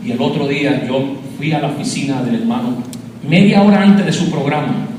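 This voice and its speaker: A man's voice: mid-range voice, a little fast, a little mellow. A man from Rico, giving a fervent testimony sermon and calling his listeners brother. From Puerto Rico. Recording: echoey hall, distant mic, noisy.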